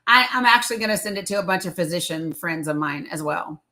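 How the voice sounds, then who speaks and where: Woman hosting a live, bright clear-cut voice, chatty and informal, encouraging. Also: fairly low pitch, expressive, fast talker. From Tennessee, United States. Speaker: live stream host. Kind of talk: casual political live chat.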